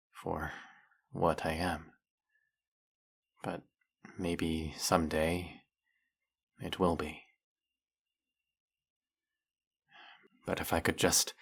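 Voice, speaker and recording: Low, slow, brooding vampire hunter, acted by a man. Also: a bit bright, full character voice. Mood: guilty, determined. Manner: slow, halting, confiding delivery with heavy pauses. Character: centuries-old brooding male vampire hunter, guilt-ridden and resolute. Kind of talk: dramatic audio roleplay monologue.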